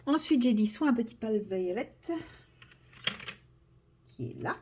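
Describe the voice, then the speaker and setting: A woman's voice: a little high, lively intonation, a little slow, darkish tone, a little hiss or hum. Chatty French woman vlogging while coloring. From France. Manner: chatty, self-mocking, drifts into whispers. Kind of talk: casual vlog while coloring. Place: indoors at a desk. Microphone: camera on tripod.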